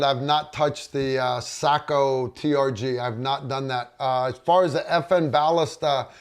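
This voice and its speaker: A middle-aged man hosts a casual livestream, reading viewer comments aloud and rambling with frequent restarts. His voice sits on the high side and sounds smooth.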